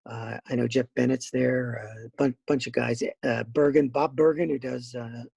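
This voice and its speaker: A middle-aged man with a raspy voice, a voice actor chatting as a podcast guest in an animated, rambling way. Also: mid-range voice, moderate pace, no room sound. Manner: animated, rambling with many fillers. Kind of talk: casual podcast interview.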